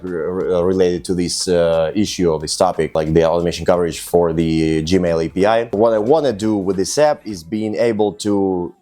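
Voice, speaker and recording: A man giving a casual, rambling software review in an informal way, thinking aloud with lots of filler phrases. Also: deep voice. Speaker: tech reviewer.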